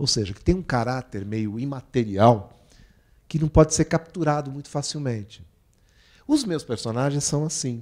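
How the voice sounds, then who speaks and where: A man speaks in a dark, mellow tone at a moderate pace. The background is quiet. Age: 50s. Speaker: writer and journalist; guest. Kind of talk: talk at a book event with Q&A; interview answer. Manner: halting. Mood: relaxed, reflective. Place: stage. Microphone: handheld.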